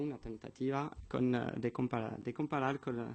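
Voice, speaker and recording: Speaking with a French accent, a man keeps a moderate pace and ordinary pitch variation. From France. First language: French (speaking Spanish). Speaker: film researcher, panel speaker. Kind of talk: panel talk. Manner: halting.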